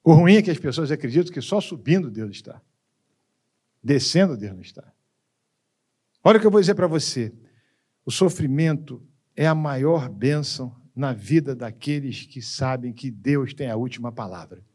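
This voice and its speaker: A man with a Brazilian accent preaching a sermon as pastor, telling a story dramatically and swinging from hushed lines to loud ones. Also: mid-range voice, lively intonation, moderate pace, husky. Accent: Brazilian Portuguese. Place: church.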